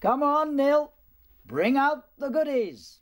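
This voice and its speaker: A British man acting an eager, hospitable but evasive male rabbit in a radio play, chatty and hesitant, with a husky voice. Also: very high-pitched, sing-song, takes it slowly, no echo, full character voice.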